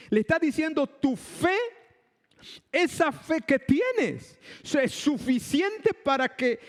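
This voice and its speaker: A male preacher giving a sermon, emphatic and slow, repeating his phrases for weight. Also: very high voice, big-room sound. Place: church hall.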